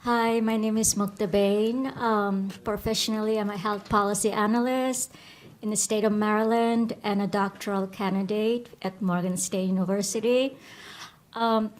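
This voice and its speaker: A young woman from Bangladesh speaks at an awards ceremony. She sounds eager and upbeat and strings her thoughts together in quick run-on clauses. Her pitch is middle of the range. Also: fairly even intonation. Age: young adult. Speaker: award recipient and health policy analyst. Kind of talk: acceptance speech.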